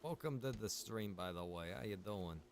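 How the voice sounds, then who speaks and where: A man's voice: fairly low pitch, expressive, moderate pace, a little hiss or hum. A man chatting casually as he livestreams a game, rambling along in a laid-back way. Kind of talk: casual livestream chat while gaming.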